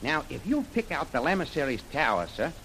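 A lively, dutiful army private. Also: male voice, on the high side, a little fast, poor audio. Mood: reporting. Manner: respectful, reporting carefully. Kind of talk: 1930s radio drama acting. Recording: hissy old radio recording.

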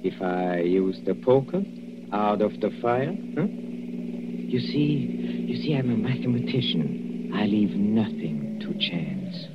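An actor playing a gloating mathematician murderer in an old radio drama, slow and husky, breaking into frantic shrieks as the poison takes him. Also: male voice, sits low, noisy background. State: panicking, shrieking as he dies. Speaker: villain. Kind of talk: 1940s radio acting. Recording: dull lo-fi vintage radio recording.

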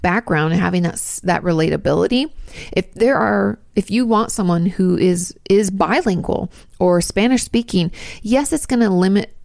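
A woman in her thirties hosts her channel, answering viewer questions with casual advice in a chatty, rambling style full of asides and restarts. Her medium-pitched voice moves at a moderate pace, with vocal fry and a slightly mellow tone. The sound is studio quality with no echo.

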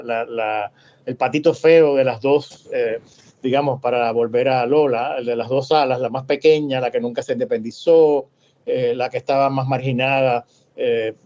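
A man's voice: mid-range voice, warm tone. A middle-aged man born in Cuba, speaking Spanish with a Puerto Rican accent mixed with Cuban traces. He discusses at an academic pace, with frequent hesitations and restarts. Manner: measured, many hesitations and restarts. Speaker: scholar. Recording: dull lo-fi audio.

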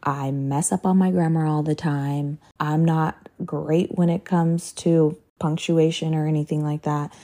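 A woman's voice: sits low, mellow. A woman in her thirties, a podcast host whose first language is Portuguese, speaking candidly and emotionally about her life. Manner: candid, emotional, occasionally laughing at herself. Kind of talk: personal reflective monologue.

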